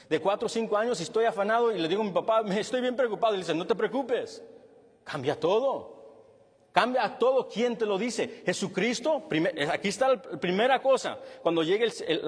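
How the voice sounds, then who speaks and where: A male pastor preaching a sermon with a husky voice, animated and then dropping low and quiet to stress a point. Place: church hall with long reverb. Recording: reverberant church hall.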